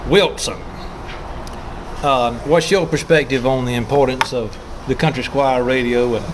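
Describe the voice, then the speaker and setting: A man hosting a conversational interview in an earnest, deliberate way. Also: mid-range voice, background noise. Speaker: host of a pipe hobby channel.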